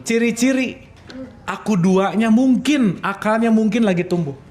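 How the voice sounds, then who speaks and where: A man's voice: high voice, a little slow, darkish tone. A man, giving a casual religious study talk, playful and often asking his audience questions. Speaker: religious teacher.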